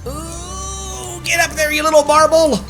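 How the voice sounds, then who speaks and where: A man doing casual live gameplay commentary, excitable and playful, talking to himself and to the game as he plays. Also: extremely high pitch, measured pace, faint music behind. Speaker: streamer playing a video game.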